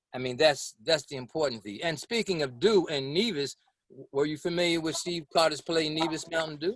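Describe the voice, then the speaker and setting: A man with a New York accent talks at a fairly quick pace in a fairly high pitch with ordinary pitch variation. The sound is dry and close with no echo. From Brooklyn, New York (Bedford-Stuyvesant). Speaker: stage actor. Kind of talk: casual interview chat.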